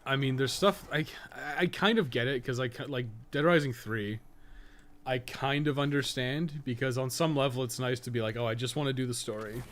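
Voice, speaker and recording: A game streamer who also makes guides gives casual livestream commentary, rambling, thinking aloud, swearing, and offering blunt opinions. His mid-range voice moves at normal speed with a fairly bright tone over clearly noisy surroundings.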